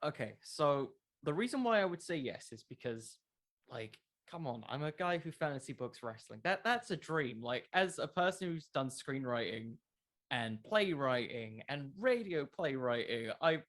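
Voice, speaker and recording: A man's voice: on the high side, sing-song, normal speed, a bit bright. A man speaking as a podcast creator in a casual interview, conversational and emphatic, with a self-deprecating way of talking.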